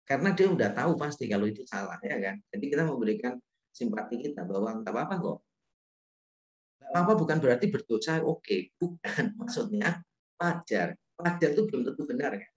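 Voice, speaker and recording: A middle-aged man, a pastor, giving a relaxed sermon talk, telling stories and acting out quoted dialogue with lots of fillers. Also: mid-range voice, fairly quick, echoey room, lo-fi sound. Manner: casual storytelling with frequent fillers and quoted dialogue.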